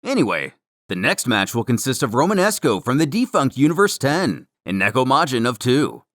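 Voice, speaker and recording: A man's voice: medium pitch, big pitch swings, normal speed, a bit bright, no room sound, clean studio sound. A man narrating a scripted story recap in a theatrical, wordy storytelling manner. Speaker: narrator of a comic recap series.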